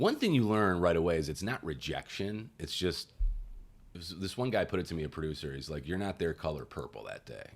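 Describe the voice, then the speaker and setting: The speaker talks at a fairly quick pace with lively intonation and vocal fry. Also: man, very deep, low pitch for a man. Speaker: voice actor. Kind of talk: interview answer. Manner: funny, joking.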